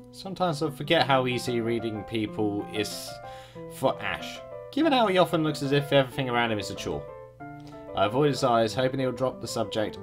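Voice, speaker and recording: A man reading a visual novel aloud as the streamer, expressive, with his own asides. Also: medium pitch. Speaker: game streamer.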